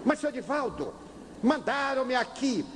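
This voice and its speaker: Pushy, pleading father played by an older man, raised pitch, lively, insistent; hall reverb, faint hiss. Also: measured pace, exaggerated voice. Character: impatient pushy middle-aged father, man of 48.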